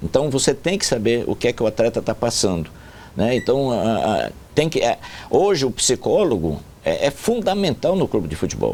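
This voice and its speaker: At a moderate pace, the voice swings very widely in pitch. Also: man, medium pitch for a man. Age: 70s. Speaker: doctor, head of emergency medical service. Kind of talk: TV talk show interview.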